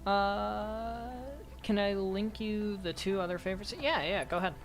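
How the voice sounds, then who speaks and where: A hoarse young woman streaming a game, rambling casually and talking to herself as she plays. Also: medium pitch, fairly even intonation, measured pace, soft background music. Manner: rambling, talks to herself while playing. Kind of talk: casual gameplay commentary.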